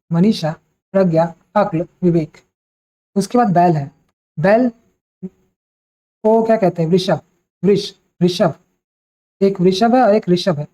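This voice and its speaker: A woman's voice: mid-range voice, warm tone. A woman teaching an exam-prep vocabulary lesson, reading out long word lists one by one with short asides to her students. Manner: lists words one by one, slowly and deliberately. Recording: dull lo-fi recording.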